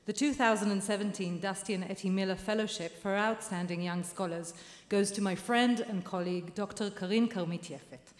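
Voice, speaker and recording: A woman presenting an award, speaking in a formal, measured way into a podium microphone. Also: medium pitch, steady tone. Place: large lecture hall. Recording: roomy hall with long reverb and faint noise.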